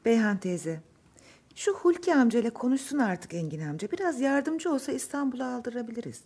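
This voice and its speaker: An earnest young bride, bright and lively. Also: female voice, a little high, a little fast, husky, heavily acted. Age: young adult. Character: newly married young woman, loyal friend. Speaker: radio drama character. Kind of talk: radio drama acting.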